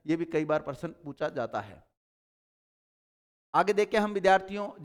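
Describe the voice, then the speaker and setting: Male tutor, slightly high and very clean voice, patient step-by-step classroom explainer who quizzes then answers. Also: smooth. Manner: explains step by step, asks and answers his own questions. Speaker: teacher. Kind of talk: classroom grammar lesson.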